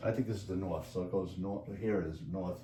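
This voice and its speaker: A voice with a Boston accent comes through audible room echo and noticeable background noise. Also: man. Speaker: YouTuber presenting alternative history theories. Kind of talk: casual monologue over slides. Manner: halting, many fillers; casual.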